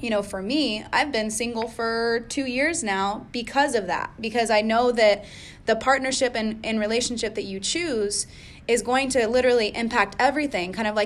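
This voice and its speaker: A woman with an American accent has an ordinary speaking voice, fairly high in pitch, with ordinary pitch variation and a moderate pace. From Texas, Austin. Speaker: podcast host. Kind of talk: interview.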